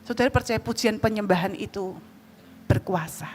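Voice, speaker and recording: A woman evangelist with a Javanese accent preaching a sermon in a church hall, lively and joking, often calling out to the congregation. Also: mid-range voice, moderate pace. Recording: reverberant church hall, faint background noise.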